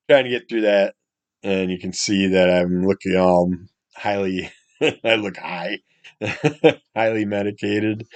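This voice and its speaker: Raspy low-voiced Midwestern man with a cold. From Wisconsin. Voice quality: low and rambling, trailing off into mumbles. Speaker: comic book reviewer. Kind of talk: casual solo review chat.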